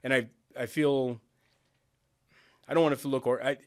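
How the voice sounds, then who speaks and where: Wisconsin-accented man, podcast guest, plainspoken, humble, stops and restarts mid-thought, mid-pitched voice. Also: fairly even intonation. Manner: plainspoken, self-deprecating, halting restarts. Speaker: guest, operations executive. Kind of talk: casual interview talk.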